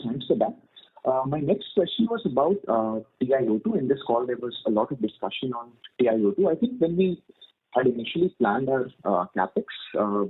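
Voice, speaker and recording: A man's voice: mid-range voice, husky. A man with an Indian accent, an investor politely and hesitantly putting questions on an earnings call. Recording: muffled narrowband phone line.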